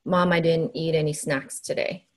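Woman, Filipino accent, middle-aged, easygoing chatty co-host, lower pitch. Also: steady tone, moderate pace. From Philippines. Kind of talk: casual podcast chat.

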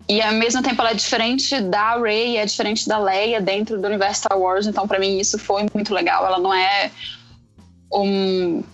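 Woman, Brazilian Portuguese accent, casual film discussion, podcast panelist, medium pitch, faint background music. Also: a bit bright, rough recording.

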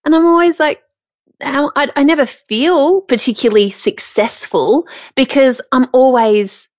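A woman's voice: sits high, measured pace, no echo, lo-fi sound. A woman co-hosting a podcast, with a frog in her throat, reflecting aloud with fillers. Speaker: podcast co-host. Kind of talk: casual podcast chat.

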